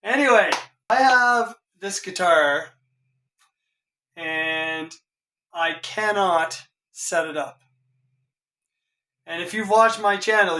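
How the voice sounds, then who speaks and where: Thinking aloud at home among his tools, the middle-aged guitar tech sounds puzzled and exasperated in this casual vlog. His hoarse voice runs on the high side with a bright, forceful tone, picked up by a camera a few feet away.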